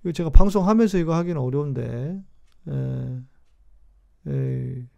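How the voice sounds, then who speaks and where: A pastor in his forties hosts a live stream, teaching in a chatty, emphatic style, repeating key words and answering viewers' comments as he goes. His mid-range voice is warm with vocal fry, a little slow, and the sound is lo-fi.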